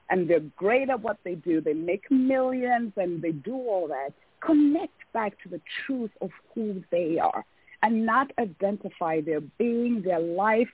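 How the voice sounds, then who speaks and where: A woman's voice: mid-range voice, husky, dry recording. A woman from Tanzania, a life coach, speaking earnestly and emphatically as a radio interview guest. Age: adult, came to America at seventeen for college. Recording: phone-line audio.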